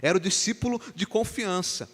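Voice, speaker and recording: A man from Brazil, a pastor, preaching an animated sermon in a church and acting out the dialogue of the story. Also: sits high, fairly quick, husky. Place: church sanctuary. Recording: long church reverb.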